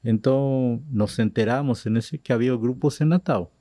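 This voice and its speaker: Man, Argentine accent, Spanish native speaker, mellow dark voice, dry close sound, missionary guest, storytelling. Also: mid-range voice, dry recording. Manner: slow, animated retelling with Spanish words slipping in. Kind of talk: storytelling in a podcast interview.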